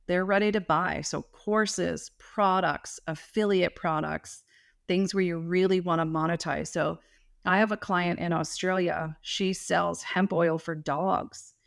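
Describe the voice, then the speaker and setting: A woman with a lowish voice tells a client's success story with animated, emphatic delivery and casual slang. The sound is dry and close, with no room around it. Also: creaky, no echo. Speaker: guest business coach. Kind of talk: storytelling in an interview.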